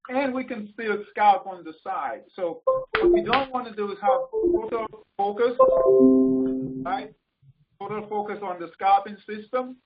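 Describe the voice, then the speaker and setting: A man leading a group call as a coach, informally explaining things in halting, repeated phrases and often checking in. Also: high voice. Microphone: conference call line. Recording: muffled, noisy conference call audio with clicks.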